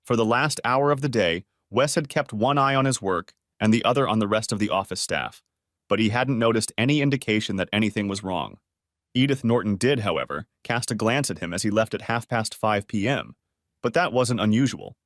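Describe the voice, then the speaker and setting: A man narrating an audiobook story in a steady storytelling manner. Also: lowish voice, fairly quick, no room sound, studio quality.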